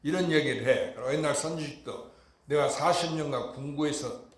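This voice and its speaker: A man's voice: fairly high pitch, moderate pace. Man, Buddhist monk, rhetorical questions, reverberant dharma hall. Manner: emphatic, rhetorical, keeps asking the hall if they understood. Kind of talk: Dharma talk. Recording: echoey hall.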